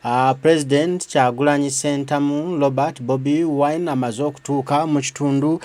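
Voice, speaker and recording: A man's voice: a little high, fairly even intonation, normal speed, a little mellow, no room sound. Dry-voiced male news reporter.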